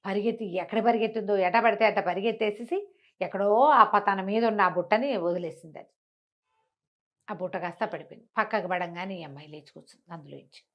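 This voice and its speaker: A woman telling a story in an animated, conversational way, as an informal oral storyteller. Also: medium pitch, fairly quick, highs cut off. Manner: conversational, acts out characters' dialogue.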